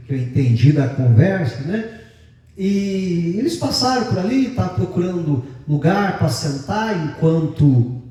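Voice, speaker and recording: Lively Brazilian pastor in an echoey church. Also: male voice, sits high, recorded from a distance. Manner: chatty, joking, animated storytelling. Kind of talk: sermon. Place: large church sanctuary.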